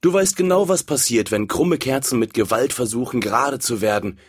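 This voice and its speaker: A man's voice: mid-range voice, moderate pace, breathy edge, natural voice. A man voicing a wise, caring white candle. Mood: earnest. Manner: earnest, admonishing.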